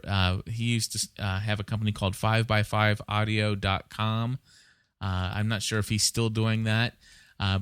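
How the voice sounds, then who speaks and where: Man, podcast host, lowish pitch, clean resonant tone, dry close sound, casual, unscripted, rambling advice. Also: fairly bright tone, clear, resonant tone, no room sound. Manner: rambling, conversational, thinking aloud.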